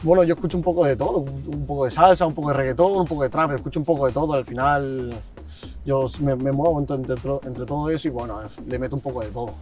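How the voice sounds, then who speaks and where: A teenage man from Colombia answering interview questions on an outdoor park bench, hesitant and soft-spoken, often restarting his sentences. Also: mid-range voice, fast, soft background music. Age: late teens. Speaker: youth footballer guest.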